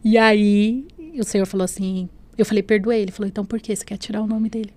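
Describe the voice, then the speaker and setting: A woman's voice: medium pitch, little pitch movement, fast talker, a little mellow. A woman from Brazil telling her personal faith testimony as a podcast guest, earnest and emotional, often adding "né?". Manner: earnest, often adds "né?" and "assim".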